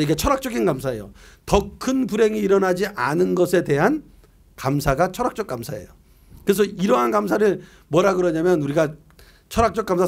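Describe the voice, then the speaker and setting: A middle-aged man preaches as pastor at year's end, his high voice gravelly. He reads from scripture and asks himself questions, then answers them conversationally.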